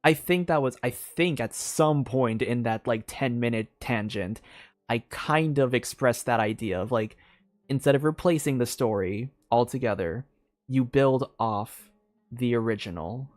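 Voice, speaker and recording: A man giving casual live game commentary as a streamer, rambling and excitable. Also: medium pitch, a little slow, no echo. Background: faint game music.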